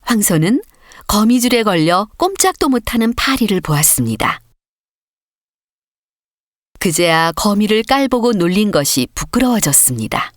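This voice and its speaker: A woman reads a scripted story for an audiobook. Her pitch moves expressively up and down through the sentences. The sound is dry, with hardly any room around her. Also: sing-song, moderate pace, long pauses, dry recording. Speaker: audiobook narrator. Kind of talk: scripted storybook narration for learner readers.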